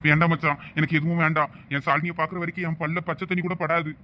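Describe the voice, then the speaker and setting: A man's voice: on the high side, level tone, quick pace, pushed and bright, slight background noise. A man playing a distraught young husband who pleads and sounds close to tears in a village drama. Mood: refusing. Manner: tearful, pleading.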